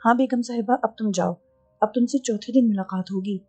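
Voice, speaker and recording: A woman's voice: fairly high pitch, darkish tone, slightly rough, faint music behind. A woman voicing a scheming, greedy male sorcerer who boasts, bargains and threatens.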